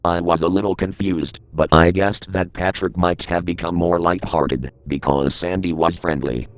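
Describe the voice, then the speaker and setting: A man narrating a creepypasta horror story in a steady, grave reading voice. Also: low-pitched, normal speed, dry recording.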